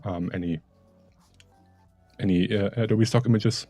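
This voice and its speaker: A man's voice: fairly low pitch, steady tone, measured pace, mellow, dry recording, soft background music. A man co-hosting a live stream, chatting casually and joking wryly while he works, often trailing off with fillers. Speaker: livestream co-host.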